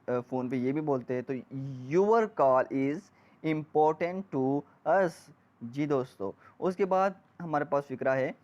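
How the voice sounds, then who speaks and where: Slow South Asian male language teacher, dull recording. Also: on the high side. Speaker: English teacher, host. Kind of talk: bilingual phrase-by-phrase language lesson. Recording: dull, lo-fi microphone sound.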